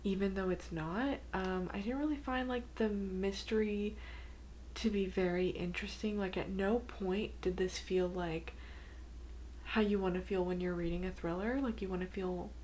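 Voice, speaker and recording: The voice is quiet and moves at a moderate pace. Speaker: book vlogger. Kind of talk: casual reading vlog talk to camera. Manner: animated, exasperated; speaking quietly.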